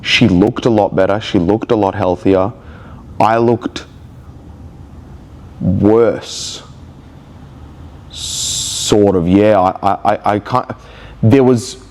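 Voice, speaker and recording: This man, a vlogger, is making a video diary entry in a slow, hesitant, thoughtful manner full of restarts. A cold has blocked up his nose. His pitch sits fairly low and his tone is somewhat dark.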